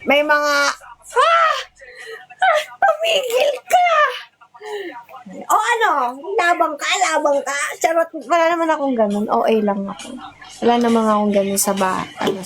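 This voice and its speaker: High-voiced young woman, rambling and giggly. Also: poor audio. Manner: rambling, giggly storytelling with many fillers. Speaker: livestream host. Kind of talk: casual livestream chat.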